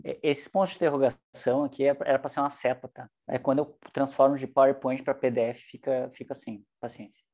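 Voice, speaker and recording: A man giving an online psychology lecture, lively and joking, with shifting intonation. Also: medium pitch, quick pace, muffled recording.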